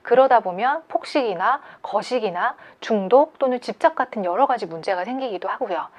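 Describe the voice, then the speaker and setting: A woman delivers a lecture in a calm, steady voice. She explains ideas patiently and asks her listeners questions as she goes. Her pitch sits in the middle for a woman. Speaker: creativity lecturer. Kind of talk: scripted online lecture.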